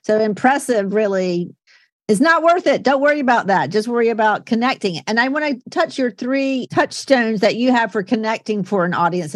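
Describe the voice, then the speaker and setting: A woman's voice: medium pitch, no echo, clean studio sound. A woman hosting a podcast, chatting with her guest in an enthusiastic, affirming way. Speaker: podcast host. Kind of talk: casual interview chat.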